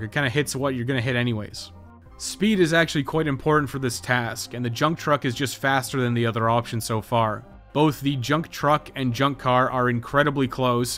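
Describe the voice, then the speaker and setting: A man's voice: medium pitch, fairly bright tone. A man narrating a scripted video game guide in a matter-of-fact way, with dry, wry asides. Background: background music.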